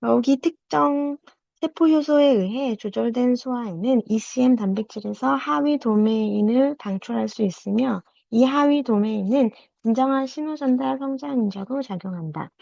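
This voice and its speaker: The voice has a dark, mellow tone and lively intonation at a fairly slow pace. The sound is dry and close with no echo, over a quiet background. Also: woman, high pitch for a woman. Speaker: study group member. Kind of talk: reading aloud.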